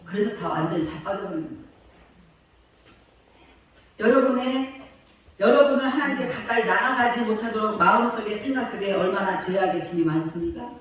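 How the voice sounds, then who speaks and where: A woman's voice: mid-range voice, animated, brisk, pauses often, a bit bright, recorded from a distance. A woman pastor preaching a sermon in a colloquial, emphatic way, often throwing rhetorical questions at her listeners. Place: church sanctuary. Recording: very echoey church hall, heard from afar with faint noise.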